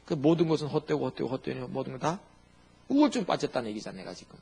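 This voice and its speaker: Animated husky male pastor preaching. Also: medium pitch, rapid-fire. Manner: animated, humorous, full of rhetorical questions. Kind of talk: sermon.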